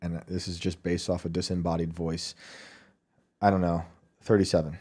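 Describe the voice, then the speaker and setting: A man hosts a call-in show in an easygoing, chatty way. His voice sits low and sounds warm and soft-edged. He thinks out loud, with plenty of fillers and easy laughter. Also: normal speed, slightly rough. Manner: relaxed, laughs often, thinks aloud with fillers. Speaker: podcast host. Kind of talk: casual call-in show chat.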